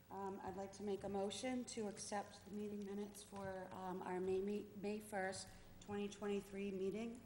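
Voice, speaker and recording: In a room with audible echo, a woman speaks at a moderate pace and medium pitch with monotone, flat intonation. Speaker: board of health member. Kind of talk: public meeting. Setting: town hall meeting. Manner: loud.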